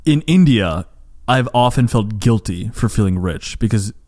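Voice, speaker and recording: A man's voice: lowish voice, lively intonation, a little slow, darkish tone. A young man from the United States hosting a podcast, talking casually and rambling with lots of "like" and restarts. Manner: rambling, heavy use of "like", frequent restarts. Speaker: podcast host. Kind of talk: casual conversation.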